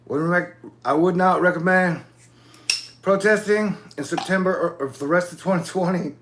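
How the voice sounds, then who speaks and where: A man's voice: high voice, normal speed, a bit bright, slight background noise. A man in his forties hosting his own channel, talking in a loose, rambling monologue and swearing now and then. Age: 40s. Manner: loose, digressive, swears casually. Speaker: YouTube channel host.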